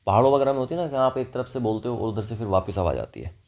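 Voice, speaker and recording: A man with an Indian accent explains English vocabulary in Hindi as a teacher, asking and answering his own questions and reading example sentences slowly. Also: medium pitch, lively intonation, a little mellow.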